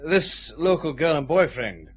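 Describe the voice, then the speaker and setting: An actor with a Scottish accent playing a calm, guarded detective chief inspector, questioning politely and with reserve. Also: male voice, fairly high pitch, a little slow, slightly rough, exaggerated voice. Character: measured male Glasgow detective, calm and guarded. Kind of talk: radio drama acting.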